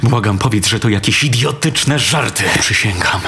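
A man's voice: medium pitch, moderate pace, a bit bright, voice pushed up, close to an everyday voice. A man voicing a young woman in a horror story, bewildered and scolding her boyfriend. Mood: alarmed. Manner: pleading, disapproving.

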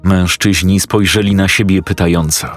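A man narrating a scripted story in a steady, matter-of-fact way. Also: low voice, normal speed, faint music behind.

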